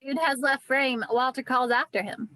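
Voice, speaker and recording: A woman's voice: sits high, fairly even intonation, moderate pace, bright, forceful tone, dry recording. A woman narrating scripted stage directions at an amateur table read.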